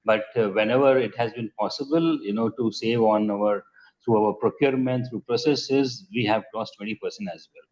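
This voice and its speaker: Man, low voice, cautious businesslike answers, muffled call line. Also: moderate pace, darkish tone. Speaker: company executive answering analysts. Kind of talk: earnings conference call answers.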